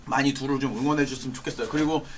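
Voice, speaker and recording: A man's voice: medium pitch, steady tone, rapid-fire, a little hiss or hum. A man in a streamer crew giving an earnest speech to viewers in casual chat.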